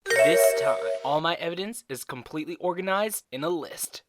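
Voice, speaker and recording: A woman's voice: low-pitched, moderate pace, natural voice. A woman in an English game fan dub playing an earnest, assertive young male defense attorney with a pointed, dramatic courtroom delivery. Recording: amateur dub under loud music.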